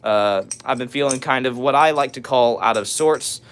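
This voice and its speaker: A raspy young man hosting a live stream, reading viewer messages aloud and answering them in casual talk with lots of "all right" and "uh". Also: medium pitch, moderate pace, slight background noise. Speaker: livestream host.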